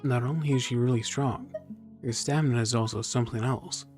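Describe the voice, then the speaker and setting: A man's voice: medium pitch, steady tone, a little fast, a little mellow. A man giving casual, sarcastic game commentary as host of a gaming video. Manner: joking, sarcastic. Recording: game music behind the voice.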